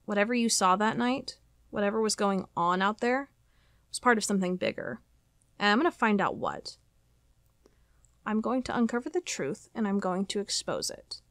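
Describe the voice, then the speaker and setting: An actress plays a determined female FBI agent in an audio drama. Her voice sits at a middle pitch, measured and probing, recorded dry and close. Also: animated, fairly bright tone, dry recording.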